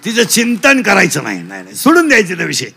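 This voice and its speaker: A man's voice: high voice, huge pitch swings, quick pace, vocal fry, sharp tone, slightly rough. A man preaching a humorous kirtan, telling jokes and quizzing the crowd. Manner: jokey, storytelling, quizzing the audience with call and response.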